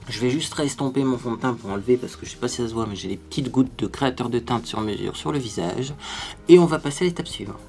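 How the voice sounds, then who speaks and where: A man's voice: mid-range voice, fast, gravelly, darkish tone, soft background music. A man talking casually through a makeup tutorial to viewers, chatty and self-mocking, tagging his sentences with little asides. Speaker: beauty vlogger.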